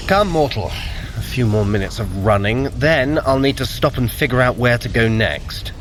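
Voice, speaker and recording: An actor playing a sardonic, bickering trickster god in an audio drama, with a dry, theatrically complaining manner. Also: male voice, medium pitch, lively intonation, moderate pace, noisy background, close to an everyday voice. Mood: dry, urgent. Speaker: guide in a fitness adventure. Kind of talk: scripted audio drama acting.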